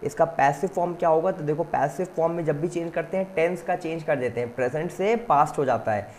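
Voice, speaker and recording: A male teacher going through an exam-prep question paper. He reads the English questions slowly and explains quickly in Hindi, addressing students as "beta". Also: on the high side, a little mellow, slight background noise.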